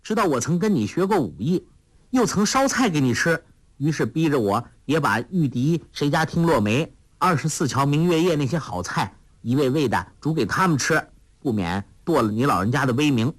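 A man's voice: on the high side, expressive. A man voicing a clever, playful young woman who talks in a coaxing, sweet way. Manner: coaxing, sweet, quick-witted.

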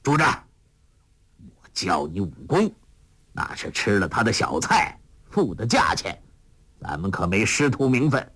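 A man voicing an eccentric old male beggar and martial arts master who talks gruffly and teasingly. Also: fairly low pitch, big pitch swings, a bit bright, no echo, voice pushed down, heavily acted. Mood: stern. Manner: gruff, teasing, drawn-out exclamations.

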